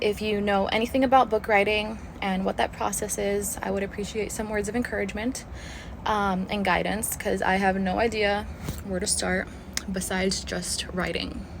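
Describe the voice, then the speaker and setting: Noticeable background noise is present as a woman talks at a moderate pace. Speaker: social media creator. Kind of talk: personal monologue; reading aloud. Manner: heartfelt.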